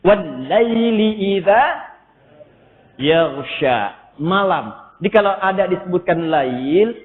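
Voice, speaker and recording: A man preaching a sermon in a mosque, lively and humorous, and his voice jumps up high for emphasis. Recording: tinny echoey hall recording.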